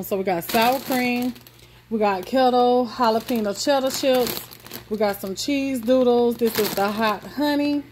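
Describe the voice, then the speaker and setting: A woman takes her time naming things, with lots of ums and pauses. Her voice sits a bit high and moves slowly. She is recorded on a phone in a home kitchen, with faint room noise behind her. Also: darkish tone. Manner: slow, listing items with many ums and pauses. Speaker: vlogger. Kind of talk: casual grocery haul walkthrough.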